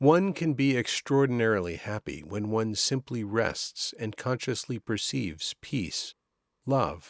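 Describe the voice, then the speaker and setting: A man's normal speaking voice with lively intonation at a fairly slow pace, dry and close with no echo. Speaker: voice actor. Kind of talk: inspirational quote reading.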